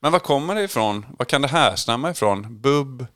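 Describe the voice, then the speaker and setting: A man's voice: medium pitch, lively intonation, a bit bright, dry recording, studio quality. A man co-hosting a podcast in casual, playful chat. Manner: playful, joking. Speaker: podcast co-host.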